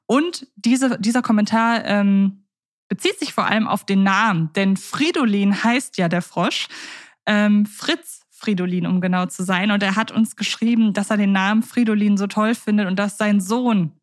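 A woman's voice: mid-range voice, moderate pace, no room sound, clean studio sound. A woman co-hosting a podcast, chatting casually, asking questions with the odd ähm. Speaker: podcast co-host.

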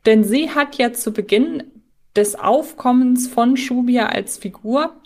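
A woman's voice: fairly high pitch, measured pace, a little mellow. A woman hosting a podcast in a conversational, moderating style. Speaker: podcast host.

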